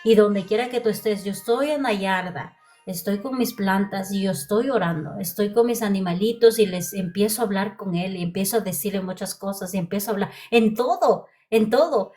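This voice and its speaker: A woman's voice: medium pitch, moderate pace, warm tone. A woman preacher giving a heartfelt sermon testimony, often repeating her phrases. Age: adult.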